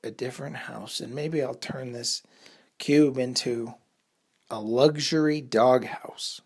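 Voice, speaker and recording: A man tells a made-up bedtime story to children. His voice is a little husky and breathy, and he takes his time, pausing as he works out each next part. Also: mid-range voice, fairly even intonation.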